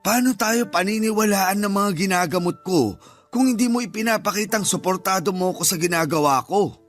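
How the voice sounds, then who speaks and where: A man's voice: high voice, fairly quick, a bit bright. A man playing a dismissive uncle who sells fake herbal remedies in a radio drama. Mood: scolding. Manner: scolding, dismissive. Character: scheming uncle selling fake herbal cures. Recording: music underneath.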